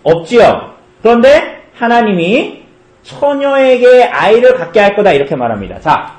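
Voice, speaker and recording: A male pastor giving a children's sermon, asking the kids questions and answering them in a lively way. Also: high voice, normal speed, echoey room. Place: church.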